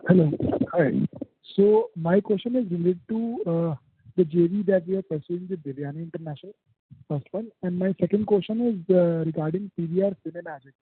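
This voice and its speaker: A man's voice: sits high, a little fast, breathy edge. A man with an Indian accent, an analyst calling in to an earnings call, asks questions somewhat hesitantly over a phone line. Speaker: analyst caller asking questions. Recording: dry, tinny narrowband phone line.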